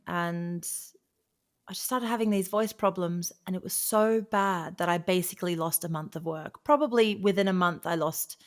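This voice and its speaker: Female interview guest, lowish register, chatty and animated, recounting personal experiences informally. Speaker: guest, singer and vocal coach. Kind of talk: casual personal storytelling in an interview.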